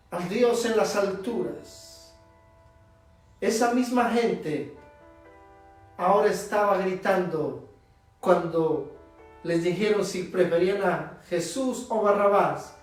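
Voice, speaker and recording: A man preaching a sermon as pastor, emphatic and leaning on long pauses. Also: high-pitched. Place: church sanctuary. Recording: echoey church, distant mic, soft instrumental music.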